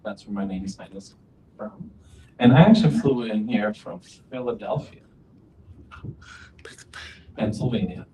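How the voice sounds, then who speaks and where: A man voicing deaf panelists' introductions as a sign language interpreter, speaking calmly in short phrases. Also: on the low side, measured pace, pauses often. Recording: dull, distant, echoey, faint ambient noise.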